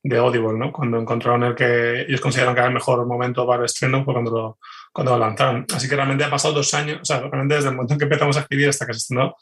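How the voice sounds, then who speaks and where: A man's voice: mid-range voice, level tone, rapid-fire, fairly bright tone. A man with a Spain accent answering in a conversational interview, hesitantly repeating words as he thinks. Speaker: podcast guest, fiction writer.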